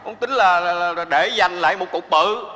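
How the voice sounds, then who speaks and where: A whiny broke gambler son. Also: male voice, sits high, moderate pace, sharp tone. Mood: wailing. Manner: whiny, stammering, wailing exclamations. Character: penniless man, gambler, comic prodigal son. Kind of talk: stage comedy sketch. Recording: echoey stage with long reverb.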